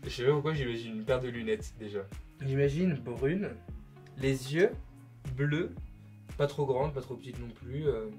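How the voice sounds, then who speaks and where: A young man with a Swiss French accent chatting casually on a blind date, hesitant and full of filler pauses. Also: mid-range voice, a little mellow, faint music behind. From Switzerland. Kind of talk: casual chat.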